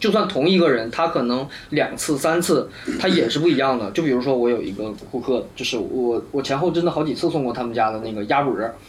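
A man's fairly high-pitched voice at a very fast pace, lively in intonation, amid noticeable background noise and audible room echo. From Inner Mongolia, China. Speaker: party guest, human-computer interaction researcher. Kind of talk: casual group chat. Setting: live party recording with group. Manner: animated.

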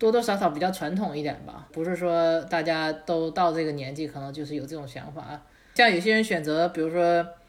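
A woman with an unremarkable speaking voice talks at a fairly quick pace and a fairly low pitch. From China, moved to the US at about age 11. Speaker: illustrator and teacher. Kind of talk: casual chat.

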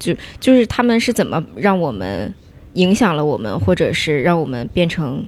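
At a moderate pace, a woman speaks at a fairly low pitch with vocal fry. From Northeast China, Harbin. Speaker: independent bookstore owner. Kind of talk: casual chat. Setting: in a bookstore.

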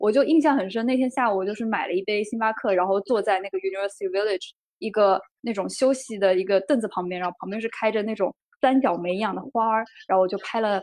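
Talking at a very fast pace, a woman uses ordinary pitch variation at a fairly high pitch. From China. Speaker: podcast co-host. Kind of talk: casual chat.

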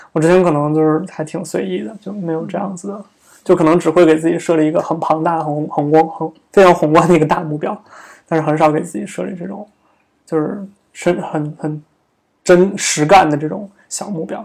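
With a normal speaking voice, a man talks at a fairly quick pace, his pitch fairly high with ordinary variation and big swings in loudness. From Shandong, China. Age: 20s. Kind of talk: casual interview.

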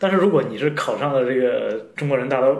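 A man with a fairly high voice speaks in a room with audible echo and noticeable background noise. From Liangshan, southwestern Shandong (China). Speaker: science fiction writer. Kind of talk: casual chat.

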